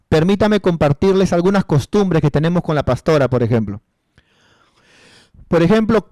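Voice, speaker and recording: Man, pastor, counseling sermon, fairly high pitch, repeats rhetorical questions, dry close sound. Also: darkish tone, no echo. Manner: rhetorical questions and repetition, addressing listeners as brother.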